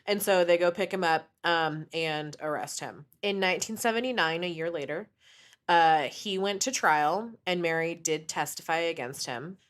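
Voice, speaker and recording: A young woman co-hosting a casual podcast, telling a story with lots of swearing and lively asides. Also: on the low side, normal speed. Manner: animated storytelling, frequent swearing. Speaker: podcast co-host. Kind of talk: casual true crime podcast chat.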